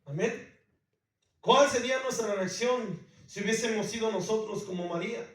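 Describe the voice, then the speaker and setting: In a heavily echoing US church hall, a pastor preaches forcefully to his congregation, calling out to them repeatedly. His voice is high-pitched and fairly quick, picked up by a distant microphone.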